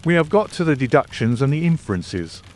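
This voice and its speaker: A man's voice: on the high side, big pitch swings, a little fast, voice pushed up. A man voicing a stubborn, practical male police inspector in a storybook, emphatic and matter-of-fact. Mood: testy, stubborn. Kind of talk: storybook character dialogue.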